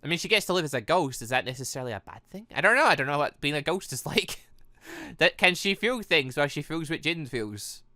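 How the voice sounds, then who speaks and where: A video game let's-player giving rambling, excitable, casual commentary while playing. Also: medium pitch, quick pace, no room sound, clean studio sound. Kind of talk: casual gameplay commentary and read-aloud.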